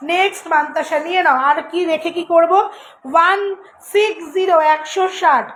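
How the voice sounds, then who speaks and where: A woman selling jewelry on a live stream, in a flat, husky voice, chatting with viewers and repeating prices over and over. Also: extremely high pitch, normal speed, slight background noise. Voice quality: flat, husky voice, always so since childhood. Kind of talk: casual live-sale patter.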